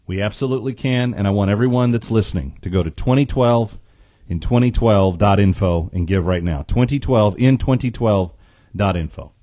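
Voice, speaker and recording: A man's voice: lowish voice, moderate pace, mellow, no echo. An American man hosting talk radio on a close studio microphone, earnest and emphatic, repeating key phrases for weight. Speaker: radio host.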